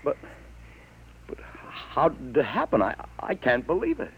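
An actor playing a bewildered, worried father in a 1950s radio drama, halting and incredulous, with emphatic delivery. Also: medium pitch, wildly swooping pitch, vocal fry, a bit bright, husky, heavily acted, rough recording. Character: bewildered, stern but worried father of a teenage boy.

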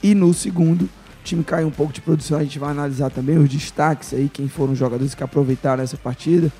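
A man with a Northeastern Brazilian accent from Ceará hosts a casual live sports chat, his voice hoarse and raspy like a smoker's. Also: a little high, fairly even intonation, fast, warm tone. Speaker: sports podcast host.

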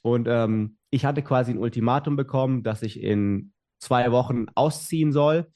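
A man's voice: medium pitch, moderate pace, darkish tone. A young adult man, a podcast guest, telling his story in casual talk with many fillers and restarts.

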